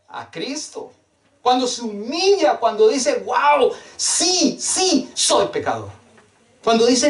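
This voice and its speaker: A man preaching a sermon, fervent and emphatic, with rhetorical questions and lots of repetition. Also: extremely high pitch. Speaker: pastor. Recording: echoey room, mic at a distance.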